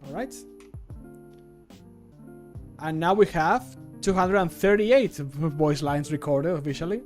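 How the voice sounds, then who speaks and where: A man's voice: on the high side, slow, faint music behind. A man in his thirties chatting casually and informally as a livestreamer. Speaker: streamer and game modder. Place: small room at home, indoors.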